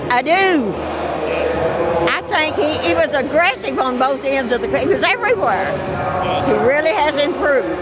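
Over loud music in the background, a woman talks at a moderate pace with long, frequent pauses, and the sound is dry with no echo. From Kentucky. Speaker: basketball fan. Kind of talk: interview answer. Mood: warm, enthusiastic. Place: stadium. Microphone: lapel.

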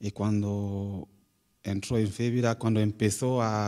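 Over a quiet background, a man speaks at a fairly low pitch. His delivery is very slow, in a monotone, flat intonation. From Cameroon. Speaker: church community member. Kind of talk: testimony. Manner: halting; reserved. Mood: calm, heartfelt, reflective. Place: studio. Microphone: handheld.

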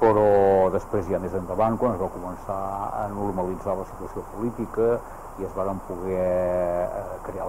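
There is noticeable background noise as a man talks at a moderate pace. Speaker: former local politician. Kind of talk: interview. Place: home room. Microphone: handheld.

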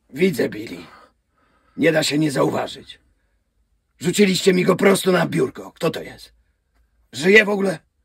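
Using a put-on character voice, a man speaks wheezily at a high pitch and moderate pace, with long, frequent pauses. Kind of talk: old-time radio drama acting.

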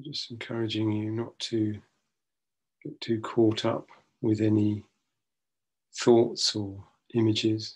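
Soft-spoken and calm, the voice moves at a very slow pace in a monotone, flat intonation with long, frequent pauses. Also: man, fairly low pitch for a man. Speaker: meditation teacher. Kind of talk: guided meditation. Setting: video call. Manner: slow, soft-spoken; calm, with long pauses. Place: home room. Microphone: video call.

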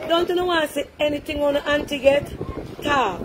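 Against noticeable background noise, a woman speaks fairly slowly in a high pitch. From Jamaica. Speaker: live-stream host. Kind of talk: casual live-stream chat. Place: home room. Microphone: phone near.

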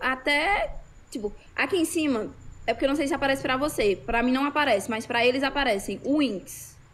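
Her pitch high and her intonation lively, a woman talks at a fairly quick pace with very even loudness. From Ceará, Brazil. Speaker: streamer. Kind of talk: casual chat. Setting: livestream. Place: home room. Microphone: phone near.

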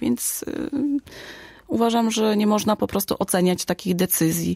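Moderate-paced speech from a woman, the sound dry and close with no echo. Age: 40s. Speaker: painter. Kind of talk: casual chat. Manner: calm.

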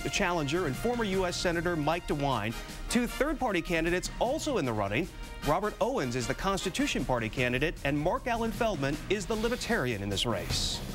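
Over clear music in the background, a man with a high pitch talks at a fairly quick pace. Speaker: news presenter. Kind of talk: news report. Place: studio. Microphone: lapel.

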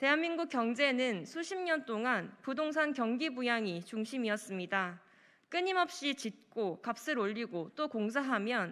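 Against a quiet background, a woman speaks at a high pitch with a bright, sharp tone. Her pace is fairly slow and her pitch swings very widely. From South Korea. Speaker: party leader. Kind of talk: press conference statement. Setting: press briefing room. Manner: formal. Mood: firm, critical. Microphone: podium.

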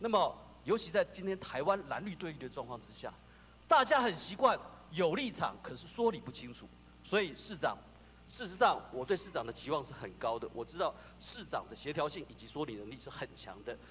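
Over light background noise, the voice moves at a fairly quick pace with very wide pitch swings and big swings in loudness. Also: man, high pitch for a man. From Taiwan. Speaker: city councillor and lawyer; city councillor questioning the mayor. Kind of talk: council interpellation. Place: hall. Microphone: handheld.

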